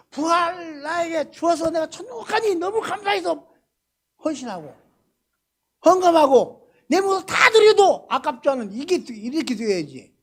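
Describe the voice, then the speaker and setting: An older pastor preaches in a husky voice whose pitch leaps up and down with feeling. He moves between loud, emphatic exclamations and quiet asides. He keeps pressing the congregation with rhetorical questions. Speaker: senior pastor. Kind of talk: sermon. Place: church during a Friday service.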